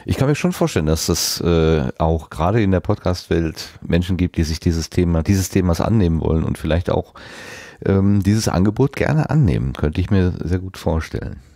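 A man hosting a casual podcast interview, phrasing his questions in a deliberate, roundabout way. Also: low-pitched, expressive, warm tone, dry recording, studio quality. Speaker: podcast host.

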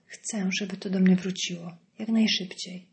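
A woman's voice: medium pitch, steady tone, normal speed, creaky, darkish tone, slight background noise, close to an everyday voice. A woman reading an audiobook voices a cold, scornful wealthy wife, icy and sarcastic.

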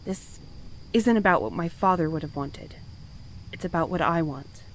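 A woman playing an earnest, guarded and conscientious postal worker in an audio drama, speaking in a measured, articulate way. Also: lowish voice, animated, a little hiss or hum, lightly acted. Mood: determined. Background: music.

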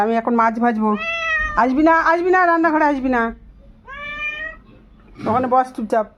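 A woman's voice: a little high, muffled recording. A middle-aged woman fussing and scolding in short repeated orders as she cooks at home. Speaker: home cooking vlogger. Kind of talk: casual vlog chat while cooking. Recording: noisy home recording with ambience.

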